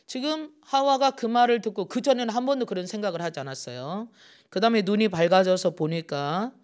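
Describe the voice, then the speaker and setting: A middle-aged male pastor preaching a sermon, often asking the congregation questions and acting out quoted voices. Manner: lively, asks the congregation questions and answers them; acts out quoted voices with rising pitch and force.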